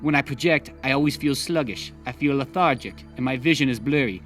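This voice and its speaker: A man in his thirties with a Singaporean accent, calmly recounting a personal experience as a guest. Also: medium pitch, fairly quick, faint music behind. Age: 30s. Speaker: guest storyteller.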